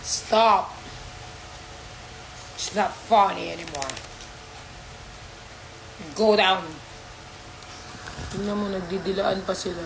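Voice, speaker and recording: A woman's voice: mid-range voice, steady tone, takes it slowly, vocal fry, pauses often, a little hiss or hum, poor audio. A woman hosting a casual live stream, talking baby-talk to her dogs and scolding them playfully.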